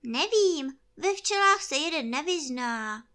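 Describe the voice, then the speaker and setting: A woman reading a storybook, voicing a naive, cheerful little honey-loving teddy bear in a high, sing-song, earnestly silly way. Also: lively intonation, sharp tone.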